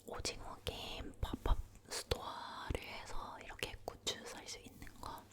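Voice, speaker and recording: Female ASMR host, leaning in to whisper, slow and hushed, close-miked personal storytelling. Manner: slow, gently repeating words.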